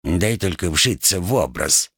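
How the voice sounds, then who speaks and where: A man's voice: deep voice, lively intonation, unhurried, fairly bright tone, slightly rough, dry recording, clean studio sound, full character voice. A man voicing a scheming, talkative male ship rat who hisses and bosses others about. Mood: bossy. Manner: hissing, theatrical, bossy.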